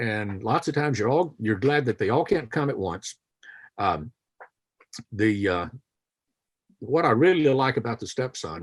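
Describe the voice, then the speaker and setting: Very wide pitch swings mark this voice with a Mississippi accent, at a moderate pace with long, frequent pauses. The sound is dry and close, with no echo. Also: man, medium pitch for a man. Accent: Mississippi Southern US. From Mississippi, Greenville. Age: 70s. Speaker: TV weather anchor and feature reporter. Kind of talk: interview, casual storytelling. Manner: animated.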